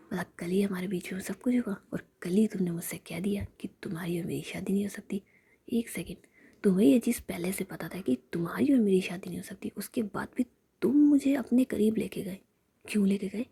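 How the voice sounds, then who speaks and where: A woman voicing a sharp-tongued, angry young female employee in a whispered role-play story. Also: mid-range voice, brisk. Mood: accusing. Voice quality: breathy whisper.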